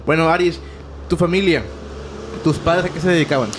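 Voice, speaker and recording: A man hosting an interview, talking haltingly with many restarts and fillers. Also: a little high, steady tone, background noise. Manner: halting, fills with "este". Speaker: podcast host. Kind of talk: casual interview.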